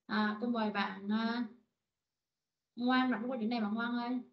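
A woman teaching an online vocabulary lesson, repeating words slowly and explaining in short phrases. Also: fairly high pitch, fairly even intonation, muffled recording. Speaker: English teacher.

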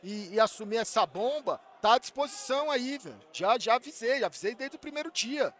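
A high-voiced Brazilian man with a Brazilian Portuguese accent, live-streaming a football match to his chat. His sound is bright and sharp. He rides every play loudly, yells at the players and curses freely, then chats with viewers between the big moments. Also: a little fast, soft background music. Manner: excitable, shouts at players, swears, says "velho" often. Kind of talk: live watch-along commentary.

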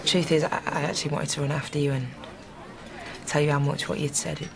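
An actor in his thirties playing a hesitant, apologetic man in a TV drama, speaking earnestly and haltingly. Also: fairly high pitch, flat delivery, gravelly, crowd noise. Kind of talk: naturalistic TV drama acting.

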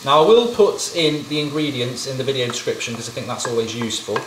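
A man's voice: medium pitch, fast talker, a bit bright, slight background noise. A man in his thirties talks through a recipe in his home kitchen, wandering into jokey tangents as he stirs the pot. He sounds a little distant from the microphone, and the room has a noticeable echo. Faint cooking sounds sit underneath his voice. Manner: jokey, rambling asides while cooking. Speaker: cooking show host. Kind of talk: casual cooking chat. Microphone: camera mic at a distance. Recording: echoey kitchen, mic set back.

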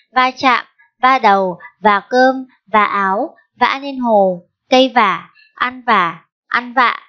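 A woman teaching a primary school spelling lesson, dictating slowly and deliberately and reading out the punctuation for the children. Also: fairly high pitch. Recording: dull lo-fi sound.

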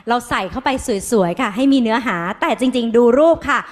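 A woman doctor giving a lively seminar lecture, quizzing her audience and acting out patients' replies. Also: fairly high pitch, brisk. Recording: long hall reverb.

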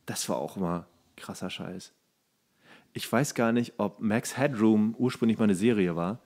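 A man's voice: fairly low pitch, normal speed, a little mellow. A man co-hosting a podcast, chatting casually in a colloquial, enthusiastic way. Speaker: podcast co-host. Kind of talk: casual chat about films and series.

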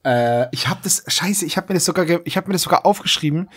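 Slightly husky man in casual joking chat. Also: on the high side, animated, fast talker, fairly bright tone, no echo, clean studio sound. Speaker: podcast co-host and quiz contestant.

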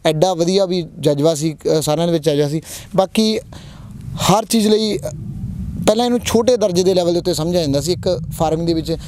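Young Punjabi farmer, earnest, rapid repetitive delivery, handheld mic outdoors. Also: male voice, a little high, a little mellow, a little hiss or hum. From Punjab, India. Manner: earnest, repeats phrases, rallying young people. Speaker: prize-winning dairy farmer. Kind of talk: on-camera interview. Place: outdoor dairy farm. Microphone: handheld mic held by interviewer.

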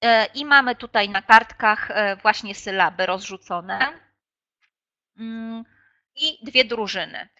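A woman leads an online teacher training session, her voice bright, pointed and a touch high. She talks through classroom games with many pauses and filler sounds. The audio is dull and lo-fi, as on a video call. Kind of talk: online workshop presentation.

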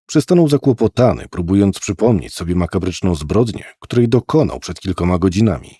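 A man narrating a horror audiobook in a measured, dramatic storytelling manner. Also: sits low, animated, warm tone, husky, no echo, clean studio sound. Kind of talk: scripted narration.

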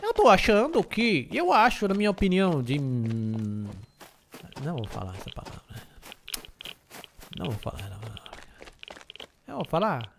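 Loud excitable man with Algerian accent. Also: a little high, moderate pace, vocal fry, pauses often, slight background noise. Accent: Algerian, Arabic and French mix. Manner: loud, excitable, shouts into the mic. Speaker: gaming YouTuber. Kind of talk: let's play commentary.

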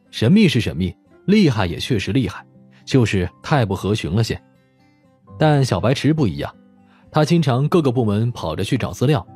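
Lively husky male audiobook narrator. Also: medium pitch. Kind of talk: scripted story narration.

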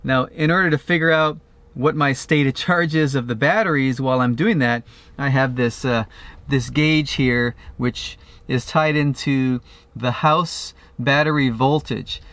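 A man's voice: mid-range voice, steady tone, a little slow, a bit bright, dry recording. A man in his fifties, an RV vlogger, casually explaining a DIY setup step by step with frequent "uh" restarts, filmed at arm's length outdoors and in a van cab.

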